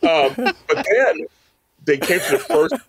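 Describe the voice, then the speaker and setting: With a crowd audible behind him, a man with a fairly high, sing-song voice speaks at a measured pace. He's a podcast guest who produces and directs audio dramas, talking casually and emphatically, often repeating phrases and acting out quotes.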